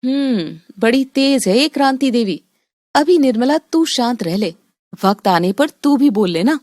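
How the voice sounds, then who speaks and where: A woman's voice: a little high, lively intonation, unhurried, a little mellow, dry recording, clean studio sound. Brief: playful scheming mother-in-law, woman voice, teasing tone.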